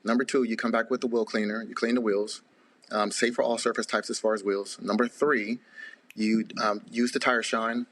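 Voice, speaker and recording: Man, lowish voice, earnest product pitch, repeats words. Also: flat delivery, moderate pace, a bit bright. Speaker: guest, car detailing business owner. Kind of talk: product explanation.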